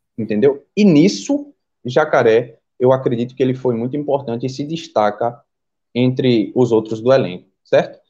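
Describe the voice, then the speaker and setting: The tone is dark and mellow, with ordinary pitch variation. The speaker keeps a moderate pace. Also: man, medium pitch for a man. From interior of Bahia, Brazil. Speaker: football fan commentator. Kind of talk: casual chat. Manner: animated.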